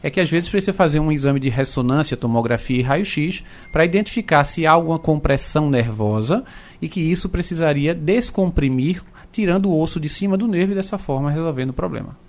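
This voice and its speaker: A man, an orthopedic doctor explaining calmly on radio with plain comparisons. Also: fairly high pitch, brisk.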